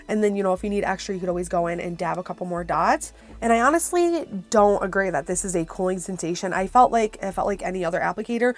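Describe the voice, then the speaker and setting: A woman speaks at an average pitch in a casual, chatty beauty-review style. Her voice is a little worn from being sick, and soft music plays behind her. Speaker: beauty vlogger. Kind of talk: casual product review chat to viewers.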